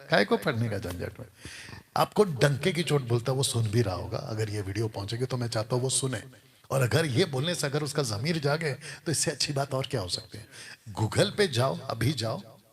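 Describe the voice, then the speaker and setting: A man preaching a sermon to a live congregation, scolding and firing rhetorical questions at the crowd. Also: medium pitch. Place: church or meeting hall with congregation.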